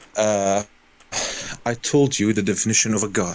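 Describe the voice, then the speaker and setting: Fairly slow speech in a non-native accent. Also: man. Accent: foreign. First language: not English. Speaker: caller. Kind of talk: debate. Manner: halting.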